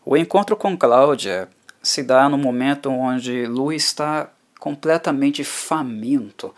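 A man's voice: mid-range voice, slow pace. A man hosting a book club podcast, giving a reflective and heartfelt solo analysis of a novel. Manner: reflective, heartfelt, often tags phrases with a questioning filler. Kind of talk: solo literary analysis monologue.

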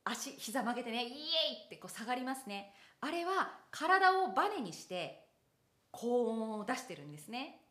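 Lively, bright-voiced woman singing teacher. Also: on the high side, moderate pace, reverberant. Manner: lively, demonstrative, breaks into sung vocal examples. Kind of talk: online singing lesson.

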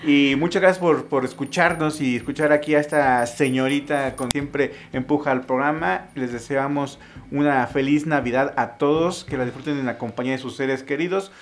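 A man's voice: mid-range voice, normal speed, a little hiss or hum. A man with a Mexican accent co-hosting a casual radio show, laid-back and joking. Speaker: radio co-host.

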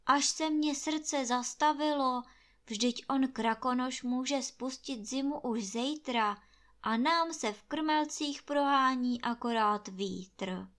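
A woman's voice: high-pitched, a bit bright, pitched above the performer's own voice. A woman voicing an old male gamekeeper who pleads anxiously in a storybook reading. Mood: pleading.

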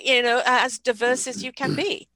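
A woman hosts a relaxed talk show chat, her voice bright and crisp, recorded close and dry. She gives friendly advice in a chatty way and laughs easily. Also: on the high side, normal speed, dry recording. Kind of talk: casual chat.

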